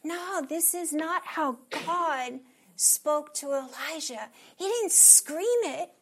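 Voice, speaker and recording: Female preacher, slow and measured delivery, earnest, drops to a hush for emphasis. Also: high voice, animated. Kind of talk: sermon.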